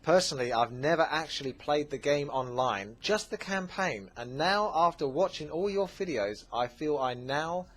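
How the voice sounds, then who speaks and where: A man with an Essex accent, hosting a gaming channel, answering viewer questions in a relaxed, chatty way with plenty of fillers. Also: fairly high pitch, normal speed, few pauses. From England. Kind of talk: casual Q&A commentary.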